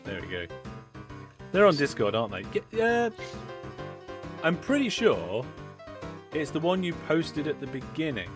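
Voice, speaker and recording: A man's voice: on the high side, sing-song, unhurried, long pauses. A man hosting a live game stream, chatting through his play, reading out viewer messages and reacting with mock alarm. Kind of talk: live gameplay commentary. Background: background music.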